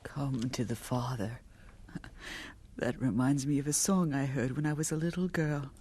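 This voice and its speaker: A woman playing a gentle, fearful, ailing Gypsy wife and mother in an audio drama, speaking in a halting, anguished way. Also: extremely low pitch, husky. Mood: frail, wondering.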